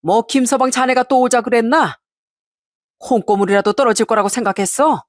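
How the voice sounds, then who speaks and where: A woman's voice: fairly high pitch, brisk, dry recording, studio quality, voice pushed up, natural voice. A woman voicing a rude, arrogant uncle in his sixties who sneers at his relatives in an audio story. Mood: sneering. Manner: sneering, scornful.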